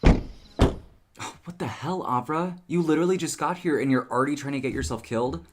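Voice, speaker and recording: A man acting a protective young townsperson in an audio drama, casual and earnest, given to gentle scolding. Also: fairly high pitch, moderate pace, lightly acted. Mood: exasperated. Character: protective, exasperated young male cryptid townsperson.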